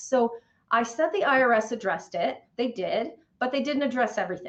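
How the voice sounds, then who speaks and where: A woman talks with a high pitch, lively intonation and a fairly quick pace. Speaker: tax expert. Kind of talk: webinar presentation. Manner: fast.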